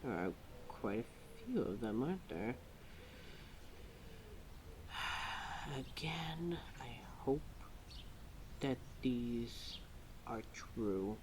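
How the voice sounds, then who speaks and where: A woman's voice: a bass voice, noisy background, heavily acted. A woman playing a chatty, indignant keeper of forgotten lore in an ad-libbed audio roleplay, rambling and often talking to herself. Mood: quiet muttering. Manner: rambling, talks to self, animated, sighing.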